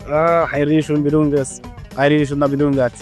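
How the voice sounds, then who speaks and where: Stuttering young gamer, slightly high voice. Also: male voice, little pitch movement, quick pace, faint music behind. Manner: casual, swears, reacts loudly. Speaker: gaming YouTuber. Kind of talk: game commentary with voice-over narration.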